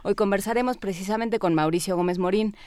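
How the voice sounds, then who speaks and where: A woman's voice: medium pitch, fast talker, a little mellow, no room sound. A woman with a Mexican accent presenting as a radio host, moving between scripted reading and conversation.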